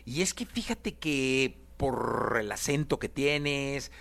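A man's voice: mid-range voice, animated, slow pace, creaky, fairly bright tone. A man hosting an interview, affirming and prompting his guest. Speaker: interviewer host. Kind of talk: interview questions.

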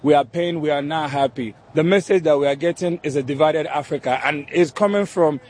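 A man's voice: fairly high pitch, a little fast, darkish tone. A man from Nigeria, a football fan at a festival, speaking solemnly.

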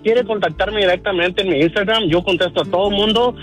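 A man's voice: sits high, brisk, faint music behind, low-quality recording. A middle-aged Mexican man with a Mexican accent, chatting as a radio guest in a folksy way with many fillers. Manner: warm, folksy, lots of fillers. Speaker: guest, car dealer. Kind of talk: casual radio interview.

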